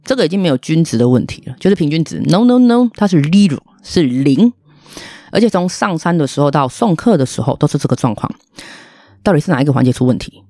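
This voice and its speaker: A woman's voice: low voice, lively intonation, fast talker, warm tone, no room sound. A woman, a podcast host telling a story in a blunt, indignant, ranting way. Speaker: podcast host, restaurant owner. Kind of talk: casual storytelling monologue.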